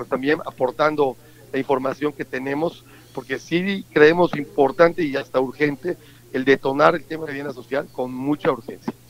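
With a Mexican accent, a man talks at a fairly quick pace, his loudness swinging widely. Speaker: housing industry representative. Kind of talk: radio interview.

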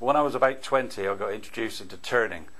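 A man is speaking. His pitch variation is ordinary. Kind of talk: interview answer. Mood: friendly, enthusiastic. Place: home room. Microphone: lapel.

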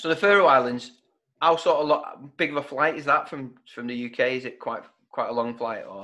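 Speaking in a Lancashire accent, a man uses a fairly high pitch and a bright, sharp tone, with big swings in loudness. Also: ordinary pitch variation. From Wigan, northern England. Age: 40s. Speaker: podcast host and scuba diver. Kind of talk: casual chat.

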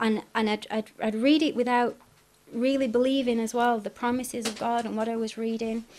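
Delivered at a fairly quick pace, the speech is monotone and flat, with light background noise. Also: woman, fairly high pitch for a woman. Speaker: speaker. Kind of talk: testimony. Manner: emotional. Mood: reflective, earnest. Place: home room. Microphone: studio mic.

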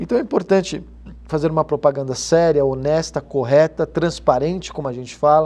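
A man with a dark, mellow tone talks at a fairly quick pace and a fairly high pitch, with ordinary pitch variation. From Brazil. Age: 40s. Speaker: advertising publisher; interview guest. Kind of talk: TV interview. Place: studio.

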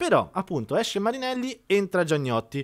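With lively intonation, a man is speaking. He keeps a fairly quick pace. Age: 30s. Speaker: film critic; film reviewer podcast host. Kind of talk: casual chat. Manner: halting. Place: studio. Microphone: studio mic.

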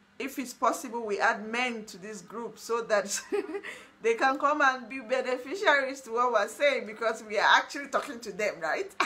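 The pace is moderate. The pitch varies in an ordinary way. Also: woman, high pitch for a woman. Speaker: online group host. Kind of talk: casual live stream talk. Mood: lively, laughing at times. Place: kitchen. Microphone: phone near.

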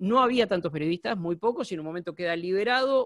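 Speaking very fast with very wide pitch swings, a man is heard in a dry sound with no echo over a quiet background. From Argentina, Buenos Aires province (Puan); Buenos Aires province, Argentina. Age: 50s. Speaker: sports journalist. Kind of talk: talk with Q&A; interview answer. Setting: video call. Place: home room. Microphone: video call.

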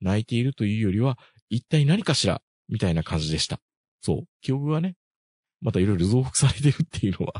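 Lively intonation and a fairly quick pace come through in a dry sound with no echo over a quiet background. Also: man. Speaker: podcast host. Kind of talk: casual chat. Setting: campsite by a lake at night. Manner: hushed, quiet tone for campsite quiet hours. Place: tent.

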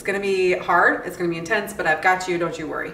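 A woman at a fairly quick pace, with audible room echo and light background noise. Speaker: fitness instructor. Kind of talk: workout tutorial. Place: empty room.

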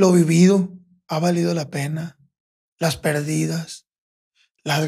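A man's somewhat breathy, monotone, flat delivery at a very slow pace against a quiet background. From Sinaloa, Mexico. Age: 50s. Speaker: rehab center director, recovering addict; podcast guest. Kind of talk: interview testimony. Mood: reflective, personal life story. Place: studio. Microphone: studio mic.

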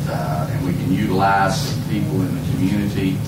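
A man speaks over loud background noise, with audible echo in the room. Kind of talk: meeting remarks. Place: hall. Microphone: camera far.

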